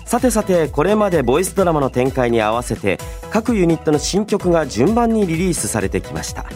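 A man's voice: a little high, a little fast. A man hosting a radio show in a chatty, playful yet polite way, moving between banter and announcements. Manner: playful, polite, animated delivery. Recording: voice over background music. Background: background music.

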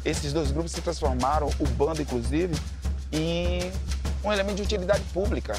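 A man's voice: a little high, a little fast. A man speaking emphatically in a documentary interview. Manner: emphatic, declarative. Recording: documentary clip with music behind.

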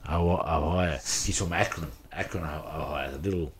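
A man's voice: extremely low pitch, steady tone, normal speed, slight background noise. A middle-aged man with an Aboriginal Australian accent, chatting casually in loose slang and often repeating himself. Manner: slangy, repeats himself, says "bro" and "you know". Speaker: interview guest. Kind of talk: casual chat.

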